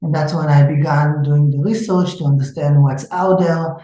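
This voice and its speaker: A man's voice: on the high side, fairly even intonation, moderate pace, warm tone. A man from Israel with an Israeli accent, a startup founder answering interview questions in a hesitant way with many filler sounds. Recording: echoey room.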